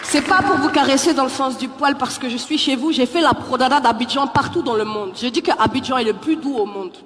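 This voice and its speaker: A woman from the Paris suburbs doing a live stand-up set. She is lively and teasing and talks straight to the audience. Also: high voice, brisk. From Paris suburbs, France. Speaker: stand-up comedian. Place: live comedy stage in a theatre. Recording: echoey hall, faint crowd noise.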